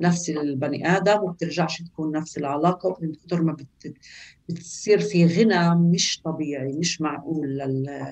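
A woman with a Palestinian accent, a very deep, low pitch, fairly even intonation and a fairly slow pace. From Palestine (48 Palestinian town near Lydda). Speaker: wife of a Palestinian prisoner. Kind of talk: interview.

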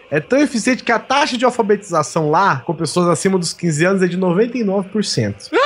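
Speech in a São Paulo interior accent moves at a moderate pace with lively intonation and hardly any pauses. Noticeable background noise is present. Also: man, high pitch for a man. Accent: Brazilian, São Paulo interior. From Brazil, São Paulo interior. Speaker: podcast host. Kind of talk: casual chat.

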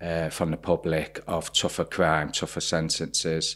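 At a fairly slow pace, a man with a Birmingham accent speaks in a very deep, low pitch with monotone, flat intonation. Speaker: fitness trainer and mentor. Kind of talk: casual interview.

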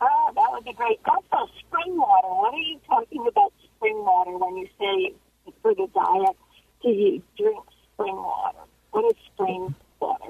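A woman's high voice moves through very wide pitch swings as she speaks at a fairly slow pace. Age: 60s. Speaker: caller. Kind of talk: call-in question. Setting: phone call. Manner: halting.

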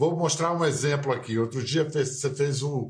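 This man speaks at a fairly high pitch. His voice is somewhat breathy. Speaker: TV interviewer. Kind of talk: interview. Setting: video call.

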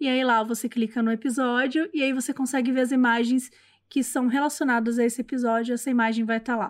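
Talking at a very fast pace, a woman uses a high pitch and monotone, flat intonation. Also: very even loudness. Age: 30s. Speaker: podcast host. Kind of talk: casual chat. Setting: video call.

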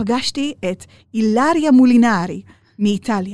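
A woman speaks fairly slowly in an animated tone. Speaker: professional mermaid. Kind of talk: interview.

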